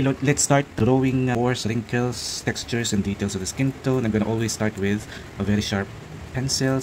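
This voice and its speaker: Filipino-accented man, lowish voice, halting tutorial talk, noisy background hum. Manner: halting, many fillers and restarts. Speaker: art tutor. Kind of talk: real-time drawing tutorial narration.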